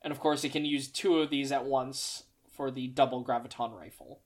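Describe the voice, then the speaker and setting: A woman's voice: rumbling low, fairly even intonation, moderate pace. A woman co-hosting a casual chat show, rambling through details with plenty of fillers and flashes of exasperation. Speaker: podcast co-host. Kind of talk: casual chat about mecha designs.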